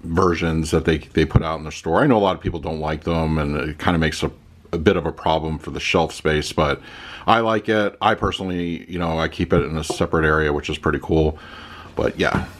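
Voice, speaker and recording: A man's voice: very deep voice, fairly quick. A man in his thirties reviewing a movie disc at home, chatting loosely and then reading out a written review. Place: home room with shelves of discs.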